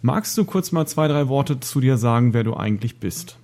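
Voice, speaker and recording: A man's voice: mid-range voice, animated, moderate pace, darkish tone. A man hosting a podcast, talking in long winding sentences with many hesitations. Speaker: podcast host. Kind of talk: casual podcast conversation.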